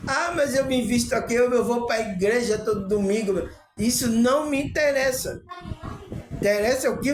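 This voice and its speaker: High-voiced man in an echoey room. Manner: rambling, repeats tag questions to the audience. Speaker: spiritual channel host. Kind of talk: informal spiritual talk to viewers. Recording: echoey room with faint ambient noise.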